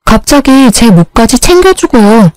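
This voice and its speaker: A woman narrating her own story in a calm, confiding way. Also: on the high side, a little slow, no room sound, poor audio. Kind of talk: first-person story narration.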